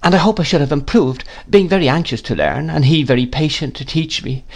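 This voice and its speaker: A man's voice: a little high, lively intonation, a little fast, voice pushed up. A man voicing a meek young widowed mother who answers faltering and apologetic. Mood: timid.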